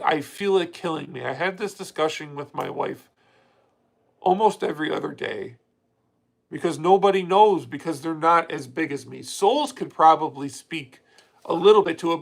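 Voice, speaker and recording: A man's voice: fairly high pitch, gravelly, low-quality recording. A man in his late thirties hosting a casual livestream, talking candidly and rambling with frequent restarts as he answers viewer comments. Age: 30s. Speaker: livestream host.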